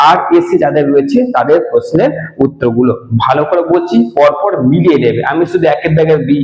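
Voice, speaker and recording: A male teacher going over exam answers, talking casually and straight to his students in a room with a strong echo from work going on. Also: fairly high pitch. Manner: casual, addresses students directly. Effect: strong echo from a bare room. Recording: echoey room, dull lo-fi sound.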